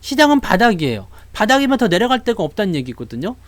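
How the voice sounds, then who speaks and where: Guy chatting stocks on a live stream, high voice, bouncy and animated, dry close sound. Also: fast talker, no room sound. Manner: animated, acts out investors' voices. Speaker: stock market YouTuber. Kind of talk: casual live-stream market talk.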